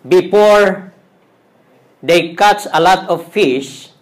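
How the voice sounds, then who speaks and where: Slow-preaching Filipino pastor, man. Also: sits high. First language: Tagalog. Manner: preaching slowly in simple, halting English with repeated phrases. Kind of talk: sermon.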